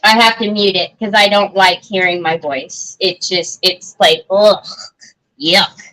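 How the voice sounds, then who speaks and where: A woman's voice: medium pitch, steady tone, unhurried, pushed and bright, rough recording. A woman hosting a live crafting stream, chatting casually and answering viewer comments with lots of fillers and restarts. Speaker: craft livestream host.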